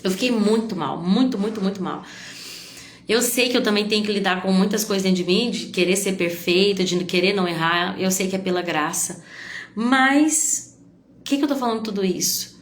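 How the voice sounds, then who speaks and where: A woman's voice: mid-range voice, moderate pace, reverberant. Woman preaching a heartfelt sermon. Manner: confessional, emotional preaching with sudden loud outbursts.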